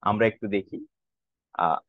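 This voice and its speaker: A man teaching an online class on pronunciation, saying each example word slowly and clearly, sometimes several times. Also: dry recording. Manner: slow, drawn-out modelling of words. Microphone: video call. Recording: dull lo-fi online call audio.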